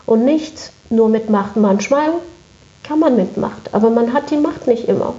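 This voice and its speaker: A woman's voice: on the high side, normal speed, warm tone. A woman speaking as an interview guest, recounting her work conversationally and repeating phrases for emphasis. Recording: echoey room, dull muffled sound.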